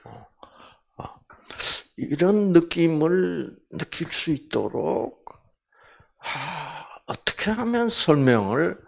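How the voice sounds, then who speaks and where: Older man, Bible lecturer, husky voice, slow unhurried delivery, lively swooping pitch. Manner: animated, with many fillers and acted quotes.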